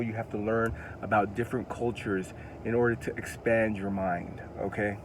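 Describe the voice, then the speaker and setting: Man, Californian accent, slow measured pace, earnest teaching tone, reads aloud and repeats words, faint hum in the background. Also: mid-range voice. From United States. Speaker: language teacher. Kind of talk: casual lesson, reading a children's alphabet book aloud.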